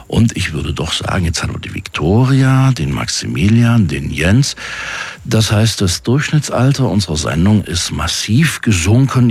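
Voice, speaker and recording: A man's voice: low-pitched, vocal fry, breathy edge, dry recording. A man hosting a radio call-in show from the studio, chatty and upbeat, often tagging questions with a friendly "gell?". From Swabia, Germany. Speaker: radio host. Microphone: studio microphone.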